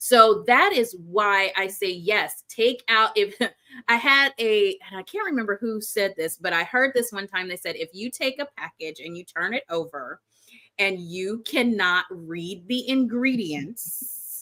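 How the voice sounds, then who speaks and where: A woman speaks at a fairly slow pace in a fairly high voice with a bright, sharp tone. Her intonation is lively, and her loudness swings widely. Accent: Southern US. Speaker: doctor. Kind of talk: interview.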